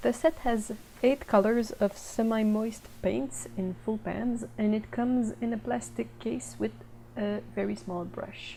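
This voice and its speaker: A woman with a non-native accent mumbles at a fairly slow pace. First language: not English. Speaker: art supply reviewer. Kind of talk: product review voice-over. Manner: mumbling.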